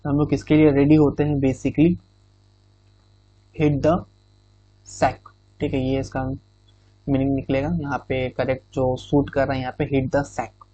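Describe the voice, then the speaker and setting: A man's voice: mid-range voice, completely flat delivery, unhurried, pauses often, warm tone, dry recording. A male exam-prep teacher explaining idioms in Hindi with English phrases, often checking in with "theek hai". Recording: dull, muffled recording.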